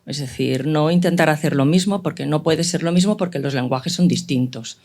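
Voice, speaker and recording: A woman's voice: low-pitched, moderate pace, a little mellow. A woman moderating an informal panel, explaining her view and posing questions with frequent small checks for agreement.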